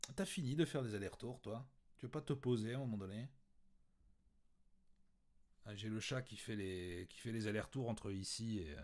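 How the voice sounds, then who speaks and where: The man's loudness swings widely. He talks at a fairly slow pace with ordinary pitch variation. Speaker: audiobook narrator and streamer. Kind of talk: live stream chat with viewers. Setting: live stream at home. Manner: hesitant, many fillers.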